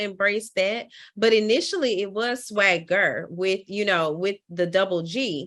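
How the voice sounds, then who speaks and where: With a Southern US accent, a woman speaks in a bright, sharp tone and lively intonation. The background is quiet. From US South, Mississippi. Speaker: magazine founder and CEO. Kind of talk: casual interview.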